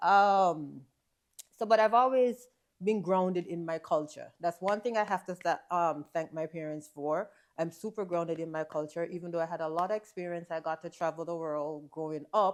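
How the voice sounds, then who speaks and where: A fairly low-pitched woman with an American accent, at a moderate pace with ordinary pitch variation. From Jamaica and New York City. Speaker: mental health expert and fitness coach. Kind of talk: podcast interview.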